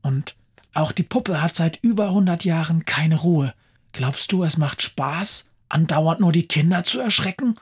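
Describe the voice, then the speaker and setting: A man voicing a scatterbrained, cheerful female Christmas witch in an audio storybook, talking in breathless, excitable bursts. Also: fairly high pitch, unhurried, slightly rough, voice pushed up, heavily acted. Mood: excited. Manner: breathless, excitable, animated chatter. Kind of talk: storybook narration.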